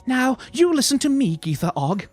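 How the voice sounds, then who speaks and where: Narrator putting on a haughty, high-voiced officious witch. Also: wildly swooping pitch, a little fast, soft background music. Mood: stern. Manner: prim, bossy, formal. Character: haughty, officious woman witch leading a committee.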